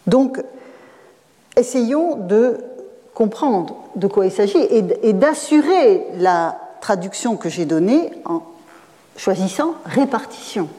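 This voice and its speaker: A woman's voice: medium pitch, lively intonation, takes it slowly, mellow, long reverb tail. A woman professor giving an academic lecture, explaining at length with fillers and self-corrections. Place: lecture hall.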